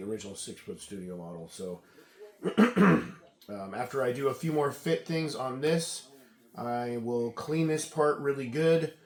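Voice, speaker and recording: Moderate-paced speech from a man, lively in intonation, noticeable background noise behind. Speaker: scale model hobbyist. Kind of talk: casual tutorial vlog. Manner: loud; hesitant, many fillers. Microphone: no microphone, camera mic, may be quiet.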